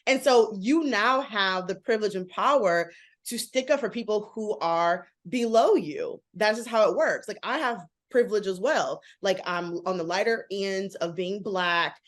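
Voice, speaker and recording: A woman in her thirties, a guest in a casual interview, talking quickly and animatedly with many "like" fillers. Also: mid-range voice. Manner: fast, animated, frequent "like" fillers. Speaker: guest, author and model.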